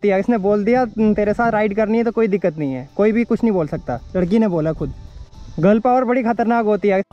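High-voiced teasing motovlogger man. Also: fast talker, mellow, muffled recording, soft background music. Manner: teasing, chatty, laughs often. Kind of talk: casual motovlog chat. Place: outdoors on the road.

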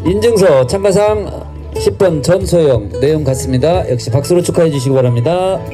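A man announces awards in a formal, proclaiming style, with a fairly high voice that swings widely in pitch. He speaks over a PA at an outdoor event, with clear instrumental guitar music behind him. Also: expressive, normal speed. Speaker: awards ceremony host. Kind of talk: ceremonial stage announcing. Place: outdoor covered stage.

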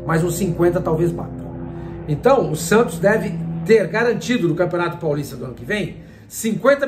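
An older man, commenting on football in a casual, animated way and retelling his conversations. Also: fairly high pitch. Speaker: sports journalist and commentator. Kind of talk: casual talk-to-camera commentary.

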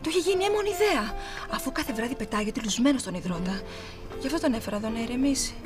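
An actress playing a scheming high-voiced young wife. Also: female voice, animated, natural voice. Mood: pleading. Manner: melodramatic, fake-tearful then sharp. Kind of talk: TV comedy acting. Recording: TV soundtrack with music underneath.

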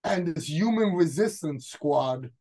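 A man, brainstorming a game scenario as a guest game master in casual chat, talking excitedly with frequent restarts. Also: fairly high pitch, unhurried, poor audio.

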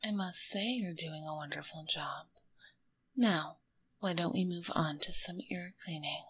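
A woman's voice: low voice, husky, full character voice. A woman playing a grumpy young tomboy who works as a secret ASMR artist, whispering breathily into a close binaural microphone in a roleplay. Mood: polite, soothing. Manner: slow, hushed, soothing service talk with curt asides.

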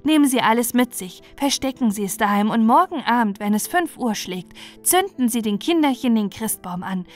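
A woman voicing a kind, affectionate aunt in a storybook, speaking to children in a gentle, earnest way. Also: fairly high pitch, lively intonation, moderate pace, few pauses, soft background music, natural voice. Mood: kindly. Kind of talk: storybook character voice.

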